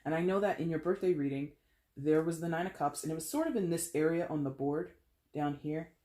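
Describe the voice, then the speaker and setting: A woman with a fairly deep voice giving a casual, animated tarot reading, often trailing off mid-phrase. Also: brisk. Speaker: tarot reader.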